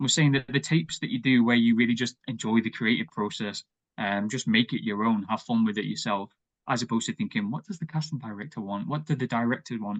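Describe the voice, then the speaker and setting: Spoken with a Mancunian accent and ordinary pitch variation, the voice has a dry, close sound with no echo against a quiet background. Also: man. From northern England, Manchester. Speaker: actor. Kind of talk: interview. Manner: casual, many fillers.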